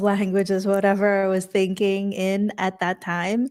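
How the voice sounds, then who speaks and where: On a very clean recording with a silent background, a woman with a Filipino accent speaks at a fairly slow pace. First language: Tagalog. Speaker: YouTube host. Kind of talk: casual interview chat.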